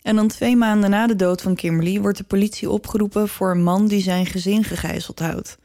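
A woman's voice: medium pitch, fairly even intonation, fairly quick, warm tone, dry recording. A woman with a mid-range voice tells a story as a podcast host. Her delivery is conversational, like recounting events to a friend. The sound is dry, with very little room in it. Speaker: true-crime podcast host.

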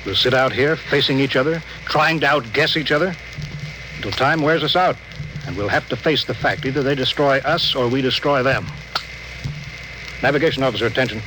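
A man's voice: mid-range voice, brisk, lightly acted. An actor playing a stern male starship captain in a 1950s radio drama, giving orders in clipped, grave tones over a noisy broadcast. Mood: grave commanding.

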